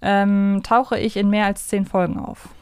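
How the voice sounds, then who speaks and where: A woman speaks casually as co-host of a guessing game. Her voice sits at a medium pitch and is recorded dry, with little room sound. She thinks aloud and puts short questions to her partner. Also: little pitch movement, unhurried, darkish tone, smooth, no room sound. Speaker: co-host of a fan quiz show.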